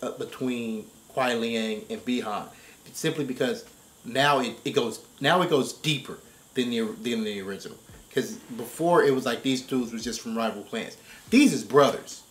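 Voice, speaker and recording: An American man in casual discussion, thinking aloud in a halting, emphatic way and often repeating himself. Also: mid-range voice, fairly bright tone. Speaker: reaction show host. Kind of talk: casual chat, video game story discussion. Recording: roomy, echoing space.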